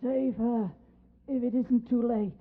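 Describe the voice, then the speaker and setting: A man's voice: very high voice, fairly even intonation, a little slow. A man acting as a crazed, desperate madman in an audio drama, pleading and wailing in agitation. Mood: weak, desperate. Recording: thin phone-like audio with loud music behind.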